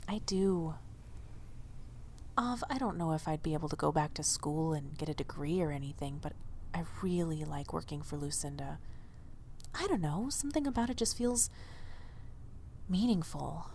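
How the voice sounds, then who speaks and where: A woman's voice: low-pitched, expressive, moderate pace, long pauses, a little mellow, slight background noise. A woman playing an earnest, loyal young diner waitress in audio drama dialogue, speaking expressively and a little hesitantly. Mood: earnest, wistful.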